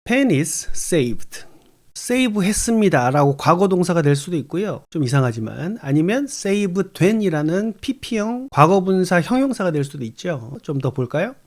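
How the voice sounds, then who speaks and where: Man slowly teaching an English story. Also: high voice, big pitch swings, a little mellow. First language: Korean. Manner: reads English phrases very slowly, then explains in Korean. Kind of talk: reading and explaining an English short story.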